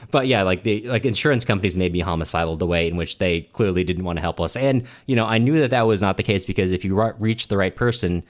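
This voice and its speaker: A man's voice: low-pitched, fast talker. A man co-hosting a podcast, discussing a book in an informal, rambling, wry way. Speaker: podcast co-host. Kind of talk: casual book discussion chat.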